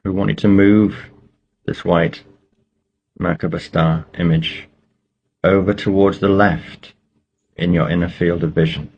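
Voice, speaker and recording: A man leading a guided meditation, giving slow, measured instructions with pauses between phrases. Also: deep voice, fairly even intonation, vocal fry, breathy edge, dull audio.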